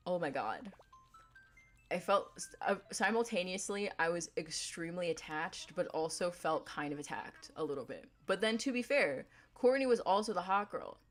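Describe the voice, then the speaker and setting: A young woman with a deep voice chatting casually on a gaming livestream, rambling in a playful, laid-back way. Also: animated, normal speed, soft background music. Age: young adult.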